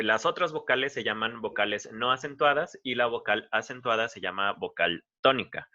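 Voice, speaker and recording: A man teaching an informal online lesson, talking in a relaxed, conversational way with frequent restarts. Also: medium pitch, highs cut off.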